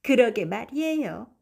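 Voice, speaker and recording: Scheming bandit wife acted by a female narrator, higher pitch, affected, greedy storybook villainess. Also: gravelly, a little mellow, exaggerated voice. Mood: gleeful. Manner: theatrical, affected. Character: scheming, greedy robber wife luring travellers with false grief.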